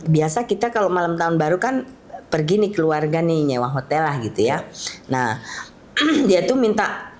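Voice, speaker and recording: Middle-aged woman, lively storyteller. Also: sits low, moderate pace. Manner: lively storyteller, acts out family dialogue. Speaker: grieving mother, guest. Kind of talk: tearful storytelling interview. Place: studio.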